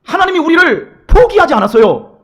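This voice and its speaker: A middle-aged man preaching a lively sermon in a church, acting out his children and God in quoted voices. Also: very high-pitched, brisk, lo-fi sound. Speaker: pastor. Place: church sanctuary.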